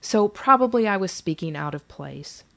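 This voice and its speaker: A woman's voice: lowish voice, animated, normal speed, vocal fry, pushed and bright, full character voice. A woman reading the lines of a weary, sarcastic mother who is defensive and exasperated about repeating her family history in therapy.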